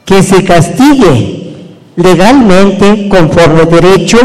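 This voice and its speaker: A man whose first language is an indigenous one gives earnest, halting testimony in Spanish at a public hearing. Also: high voice, a little mellow, long reverb tail, poor audio. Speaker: indigenous community witness. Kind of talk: slow formal testimony at a hearing. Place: hearing hall.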